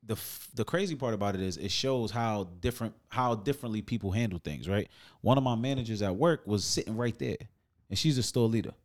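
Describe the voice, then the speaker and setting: A man's voice: on the low side, fairly quick. Streetwise man with African American New York accent. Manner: streetwise, slangy, acts out dialogue. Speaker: podcast host telling a story. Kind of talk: animated casual storytelling with slang.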